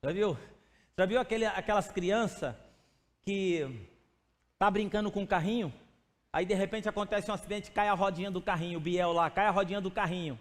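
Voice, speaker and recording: A man's voice: high-pitched, brisk. A male pastor preaching a sermon in a conversational way, speaking to the congregation by name and acting out little stories. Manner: acts out stories with quoted voices. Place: church sanctuary. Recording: long church hall reverb.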